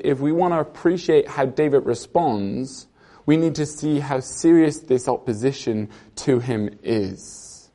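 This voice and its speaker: A man's voice: mid-range voice, warm tone. A young Irish man preaching a conversational sermon, reading a psalm and telling a story from his childhood. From Ireland. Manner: earnest, conversational preaching with personal stories.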